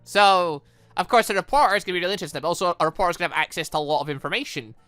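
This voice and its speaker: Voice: medium pitch, very fast, a bit bright, no room sound. A gaming YouTuber doing rambling, thinking-aloud playthrough commentary on a visual novel, reading its dialogue out. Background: game music.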